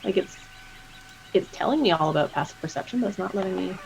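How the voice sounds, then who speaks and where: A man's voice: high voice, lively intonation, fast, vocal fry, slight background noise, low-quality recording. A man chatting casually as a player in a tabletop game. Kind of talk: casual chat.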